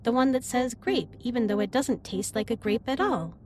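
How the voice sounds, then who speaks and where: A woman playing a gentle, earnest female alien starship captain in an audio roleplay, speaking in formal, precise sentences straight to the listener. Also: a little high, expressive, normal speed, slight background noise, lightly acted. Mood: curious. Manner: formal, precise, slightly stilted wording.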